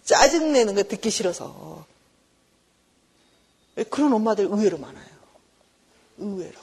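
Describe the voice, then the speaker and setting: Lively woman professor lecturing in a reverberant hall. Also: medium pitch, unhurried, breathy edge. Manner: lively, acts out mothers and children in quoted voices. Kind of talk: recorded lecture.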